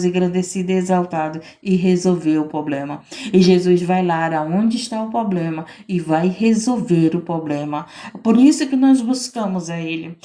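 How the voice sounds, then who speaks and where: A woman's voice: on the low side, dark tone. A woman missionary preaching a fervent sermon, repeating phrases and building emphasis. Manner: fervent, repetitive exhortation with rising emphasis.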